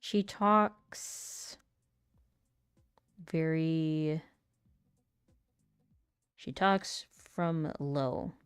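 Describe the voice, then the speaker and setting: A chatty woman with a small, light voice, laughing easily and poking fun at herself as she thinks out loud. Her voice sits a little low for a woman and sounds close and dry, with no room around it. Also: very slow, long pauses, clean tone, no echo. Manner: giggly, chatty and self-deprecating, thinking out loud. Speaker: aspiring voice actor and content creator. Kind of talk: casual vlog talk while practicing voice lines.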